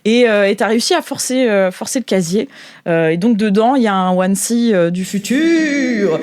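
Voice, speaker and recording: A woman narrating a tabletop role-playing game as game master, halting and thinking aloud as she improvises. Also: medium pitch, lively intonation, a little mellow, no room sound, studio quality.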